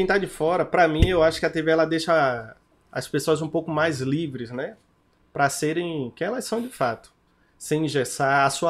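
A man talks at a moderate pace with a fairly high pitch. He has an unremarkable speaking voice, and the recording is very clean with a silent background. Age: young. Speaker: podcast host. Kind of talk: casual chat.

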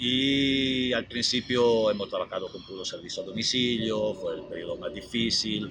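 Noticeable background noise accompanies a man whose voice sits at a medium pitch. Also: ordinary pitch variation, moderate pace. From Italy (Milan). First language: Italian (speaking Spanish). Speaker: chef and restaurant owner. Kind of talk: interview.

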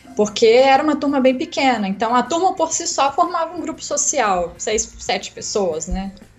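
With noticeable background noise behind her, a woman talks in a high pitch with very wide pitch swings and hardly any pauses. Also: moderate pace. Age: 20s. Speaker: theologian and philosophy graduate, YouTuber. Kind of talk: interview conversation.

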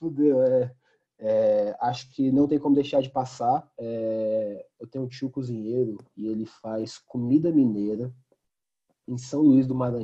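Speaking at a fairly slow pace, a man uses an ordinary speaking voice at medium pitch with fairly even intonation. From Ceará, Brazil (family from Minas Gerais). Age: 20s. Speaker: cook. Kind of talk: casual chat.

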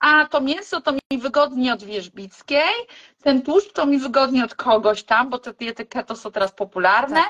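A woman speaks at a high pitch with lively intonation and a bright, sharp tone. Her loudness swings widely, in a dry, close sound with no echo. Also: moderate pace. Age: 40s. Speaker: dietitian. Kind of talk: live stream interview.

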